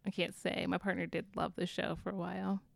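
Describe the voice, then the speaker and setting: Woman with a Southern accent, low gravelly voice, dry close sound, chatty book talk. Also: little pitch movement, a little fast, no room sound. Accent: Southern American. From American South. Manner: chatty, laughs often, many fillers. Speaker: book podcast co-host. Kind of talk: casual book discussion.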